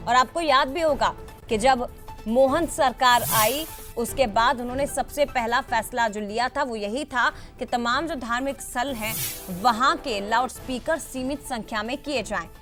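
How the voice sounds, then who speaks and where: A woman's voice: on the high side, unhurried, fairly bright tone, faint music behind. A woman anchoring a TV news debate, putting pointed questions to guests.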